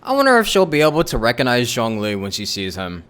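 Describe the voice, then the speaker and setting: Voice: medium pitch, wildly swooping pitch, fast talker, noisy background. A game streamer giving informal, jokey live reaction commentary. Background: game music.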